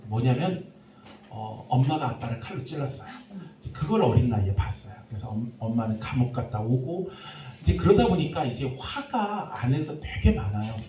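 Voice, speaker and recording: A middle-aged male pastor preaching a sermon, telling stories in a lively, anecdotal way. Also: mid-range voice, moderate pace, slight background noise. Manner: lively anecdotal storytelling, laughing through it. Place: church sanctuary. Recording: echoey room, speaker far from mic.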